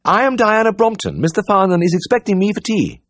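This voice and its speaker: A man voicing a confident, well-bred young woman who speaks loudly in a posh, clipped way. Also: sits high, big pitch swings, fairly quick, dry recording, voice pushed up. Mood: haughty.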